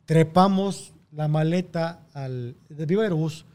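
A man with a Mexican accent telling a travel anecdote in a relaxed, joking podcast chat. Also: on the high side, a little slow, clear, resonant tone. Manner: laid-back anecdotal storytelling. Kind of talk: casual comedy chat.

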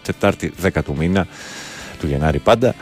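Man, low voice, casual morning sports radio host, studio mic, soft music in the background. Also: animated. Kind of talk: casual morning sports radio chat, reading listener messages. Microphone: studio microphone. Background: quiet music.

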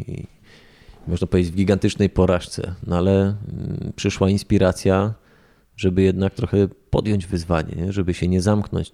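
A man with a deep, gravelly, dark voice leads the conversation about faith. He speaks haltingly, with fillers and a checking tag question. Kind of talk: casual religious discussion.

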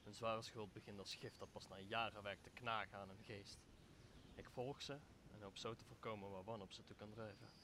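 A man's voice: on the low side, little pitch movement, normal speed, natural voice. A man acting a watchful, concerned spirit servant in a Shakespeare radio play, with noisy ambience behind. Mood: grave, concerned.

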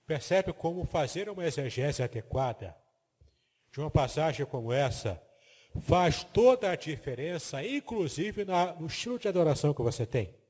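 A man's voice: fairly high pitch, lively intonation, normal speed, darkish tone, breathy edge, long reverb tail. A man teaching the Bible from slides, explaining terms step by step and checking that the listener follows. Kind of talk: biblical teaching lecture with slides.

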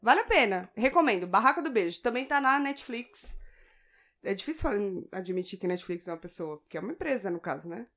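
A woman's voice: mid-range voice, animated, fast talker, fairly bright tone. A woman in her thirties with a Brazilian accent, co-hosting a podcast in a casual, joking chat and swearing freely. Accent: Brazilian Portuguese. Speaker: podcast co-host.

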